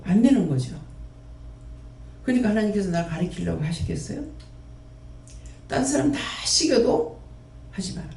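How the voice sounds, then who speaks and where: With a high, creaky, darkish voice, a man who runs a prayer house preaches at normal speed, expressive and pausing often. He rebukes his listeners through rhetorical question after rhetorical question, and the distant mic picks up roomy echo.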